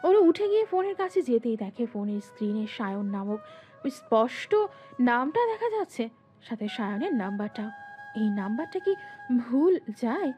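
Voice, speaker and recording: A woman narrating a scripted romantic story in an expressive storytelling manner. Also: fairly high pitch. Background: background music.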